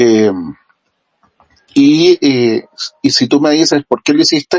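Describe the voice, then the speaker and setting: Recorded dry and close with no echo, a man with a Chilean accent talks at a fairly high pitch with ordinary pitch variation. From Nicaragua. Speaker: panelist, Nicaraguan exile. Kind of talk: panel discussion, personal testimony.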